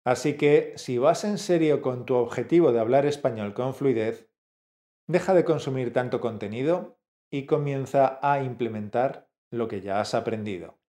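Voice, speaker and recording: A man co-hosting a language lesson, measured and explanatory, speaking straight to the learner. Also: mid-range voice, mellow. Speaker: language teacher, co-host.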